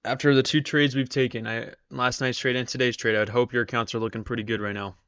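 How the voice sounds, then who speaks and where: A man's voice: mid-range voice, level tone, fast talker, fairly bright tone, smooth, no room sound, lo-fi sound. A man hosting a casual live stream, chatting with viewers while losing his voice. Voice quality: strained, tired voice. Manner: chatty, reads viewer comments aloud. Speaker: live-stream trader host.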